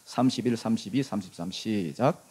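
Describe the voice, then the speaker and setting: A man's voice: on the low side, moderate pace, darkish tone. A middle-aged male pastor, preaching a sermon and asking the congregation questions, acting out the quoted lines of the story himself. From Korea.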